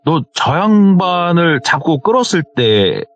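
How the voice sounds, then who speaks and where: A man's voice: a little high, very animated, unhurried, pitched above the performer's own voice. A man voicing a blunt older brother who scolds and questions his younger friend, on a slightly dull recording. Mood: calming. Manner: blunt, scolding, shouting at times. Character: brash older brother, bossy and worried. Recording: slightly dull, faint music behind.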